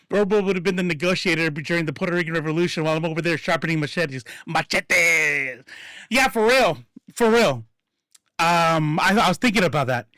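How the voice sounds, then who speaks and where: A man telling stories in casual chat, profane and animated, acting out what people said. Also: a little high, brisk, pauses often, no room sound, clean studio sound. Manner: profane, animated, acts out quotes.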